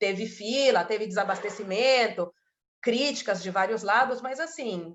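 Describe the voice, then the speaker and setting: A woman at a moderate pace and medium pitch, with ordinary pitch variation. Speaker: journalist, columnist. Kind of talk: talk in an online event, lecture-like chat. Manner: casual with many fillers.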